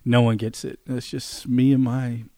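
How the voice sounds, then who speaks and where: A middle-aged man telling a story in casual chat, loud and animated, laughing often as he goes. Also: medium pitch, normal speed, creaky, no echo, clean studio sound.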